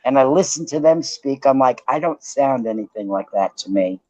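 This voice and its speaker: A woman's voice: extremely low pitch, expressive, normal speed, darkish tone. A woman from New Jersey with a slight New Jersey accent, co-hosting a casual livestream chat, talkative and laughing, swearing freely. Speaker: co-host.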